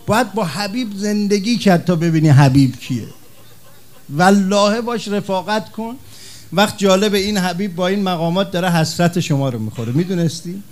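Man, preacher, fervent sermon, storytelling, fairly high voice, swells to loud cries.

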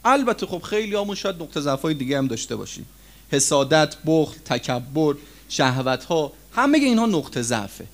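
Male cleric delivering a sermon, somewhat high voice, very lively swings between loud peaks and hushed drops. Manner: animated preaching with sudden loud rises and low drops; addresses listeners as friends. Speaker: cleric preacher.

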